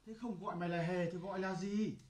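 A woman's voice: fairly low pitch, fairly even intonation, a little mellow, close to an everyday voice. A woman playing a patient master who questions and chides his clown servant in a traditional folk opera comedy. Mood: chiding. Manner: chiding, questioning, drawn-out. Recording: echoey stage recording.

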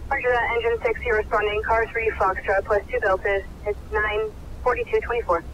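A man's voice: high voice, little pitch movement, fairly quick. A man working as a fire dispatcher, heard over a radio, reading back calls and times in clipped dispatch style. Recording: muffled radio with static noise.

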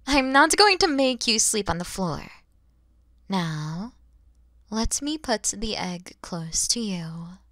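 A woman voicing a kind, motherly mature dragon in an ASMR roleplay, speaking softly and breathily with tender, soothing warmth. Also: medium pitch, no echo, clean studio sound. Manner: soft, breathy, soothing, often near-whispered.

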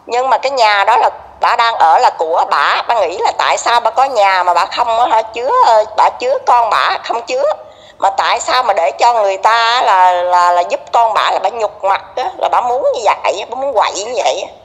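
A middle-aged woman with a Southern Vietnamese accent talks in a slightly high voice, gossipy and emphatic, circling back over her points. Her voice carries a lingering reverb. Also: animated, fairly quick. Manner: gossipy, emphatic, repeats herself. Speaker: neighbor being interviewed. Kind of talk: casual conversation.

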